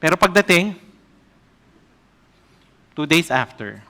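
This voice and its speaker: A man preaching a sermon as an evangelist, often asking the congregation questions and reading scripture aloud slowly. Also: a little high, big pitch swings, pushed and bright.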